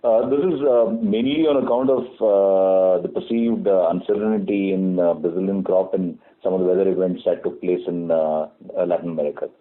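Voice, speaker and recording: Low-voiced halting man on a phone line. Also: steady tone. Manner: halting, formal, frequent uh. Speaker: company executive presenting quarterly results. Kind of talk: prepared business report on a conference call. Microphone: telephone conference call. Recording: muffled narrow-band phone line.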